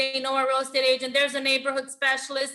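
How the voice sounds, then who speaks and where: A woman's high-pitched voice, raised and projected, with a bright, sharp tone. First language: not English. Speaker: real estate sales trainer. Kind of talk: podcast interview.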